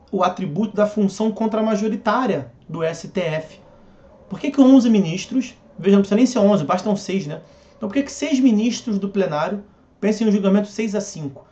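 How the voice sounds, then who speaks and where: A man teaches civil procedure, keeping it conversational with rhetorical questions and jokey asides. His voice sits high. The recording is dull and lo-fi. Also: darkish tone. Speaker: law lecturer.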